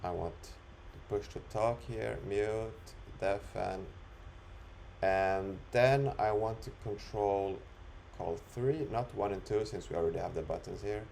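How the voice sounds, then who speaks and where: Man demonstrating software for a tutorial. Lowish voice with gravelly fry, step-by-step delivery. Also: measured pace, a little hiss or hum, poor audio. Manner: step-by-step, instructional. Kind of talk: screen-recorded tutorial walkthrough, unscripted.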